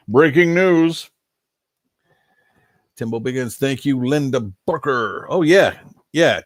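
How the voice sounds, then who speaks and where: An older man hosts a casual live stream in a medium-pitched voice, a little nasal from allergies. He rambles in a folksy way, reads out viewer names and drops chuckling asides. The sound is clean studio quality with no echo.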